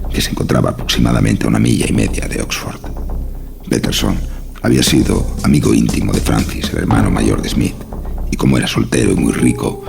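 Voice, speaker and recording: Extremely deep, gravelly male narrator. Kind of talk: scripted horror story narration. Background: music.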